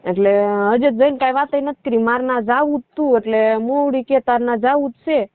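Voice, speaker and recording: A woman's voice: on the high side, brisk, dry recording. A woman with a rural Saurashtra Gujarati accent giving a rambling, colloquial personal account over a muffled phone call. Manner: colloquial, rambling storytelling with reported dialogue. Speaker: caller seeking help with a marital dispute. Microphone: telephone.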